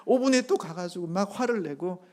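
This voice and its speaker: A middle-aged man preaching a sermon in a voice pitched high for a man. He presses hard and loud on the key phrases, then drops to a soft, near-hushed tone. Between those peaks he tells homely family anecdotes in a plain, conversational way. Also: animated, normal speed. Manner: tells a homely family story with acted-out quotes. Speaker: pastor.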